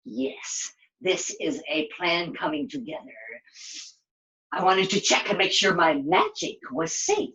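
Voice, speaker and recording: A woman's voice: on the low side, sing-song, unhurried, creaky, a bit bright, exaggerated voice, low-quality recording. A woman voicing a vain, scheming evil queen in a puppet show, theatrical and gloating, with cackles. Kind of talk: live puppet show villain.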